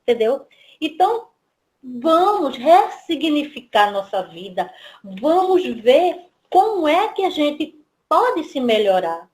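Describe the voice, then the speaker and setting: Palestrante de fala nordestina, voz aguda e animada, conta parábola com ênfase pausada. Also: female voice, high-pitched, very animated, darkish tone. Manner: storytelling, voicing father and daughter in quotes. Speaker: spiritist lecturer. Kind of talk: devotional talk with a parable.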